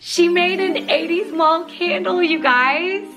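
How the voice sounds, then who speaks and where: A woman's voice: extremely high pitch, takes it slowly. A middle-aged woman co-hosting a casual vlog, talking to camera in an upbeat, bubbly way and laughing often. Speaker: co-host. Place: indoor home studio set.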